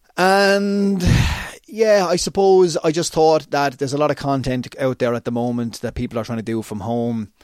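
With a Waterford accent, the speaker moves through very wide pitch swings at a moderate pace. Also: man, fairly high pitch for a man. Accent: Waterford Irish. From Ireland, Waterford. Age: 30s. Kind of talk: monologue intro; casual interview chat. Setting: remote call.

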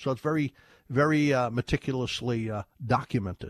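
This man's voice sits at a medium pitch and is somewhat breathy, with ordinary pitch variation, recorded with a dry, close sound, no echo and a quiet background. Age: 60s. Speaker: radio host and pharmacist nutritionist. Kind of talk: health radio talk and product promotion.

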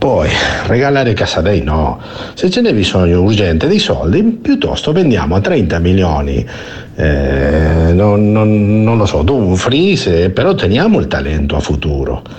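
In a room with audible echo and noticeable background noise, a man speaks at a fairly slow pace. His fairly low pitch makes very wide swings while his loudness stays very even. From Milan, northern Italy. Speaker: football fan sending voice message. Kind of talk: voice message.

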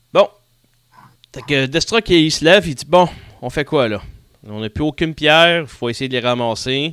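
A man with a Quebec accent and a fairly high pitch, at a fairly slow pace with long, frequent pauses and big swings in loudness. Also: ordinary pitch variation. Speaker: game master of a tabletop role-playing podcast. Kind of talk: tabletop role-playing game session.

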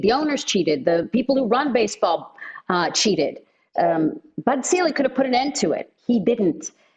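Pitch swinging very widely, a woman talks at a fairly quick pace with a fairly high voice. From Pittsburgh. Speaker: sports broadcaster. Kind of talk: radio sports talk.

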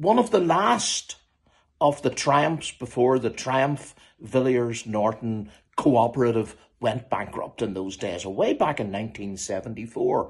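This man's voice is somewhat breathy and medium in pitch. He talks at a fairly slow pace with ordinary pitch variation. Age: late 60s. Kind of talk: casual anecdote and reflection.

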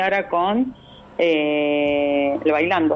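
A woman speaks over noticeable background noise. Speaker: reality TV personality and former politician. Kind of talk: interview, telling a personal story.

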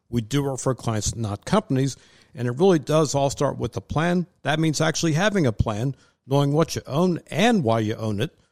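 Here is a man with a plain, everyday voice, fairly high in pitch, and lively intonation. He talks at a moderate pace in a dry, close sound with no echo. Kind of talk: radio co-host patter, plugging phone number and station break. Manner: brisk, salesy, clearly enunciated, friendly.

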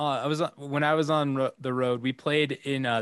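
With an American accent, a man talks at medium pitch with fairly even intonation in an unremarkable speaking voice, the sound dry and close with no echo against a quiet background. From Colorado. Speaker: podcast host and touring musician. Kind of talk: casual chat.

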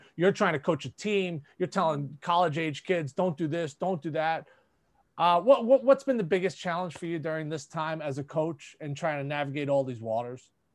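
Here a man with an American accent has an unremarkable speaking voice, fairly high in pitch, at a moderate pace. His intonation is lively, and the recording is very clean with a silent background. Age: 30s. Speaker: podcast host, former basketball player. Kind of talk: casual interview.

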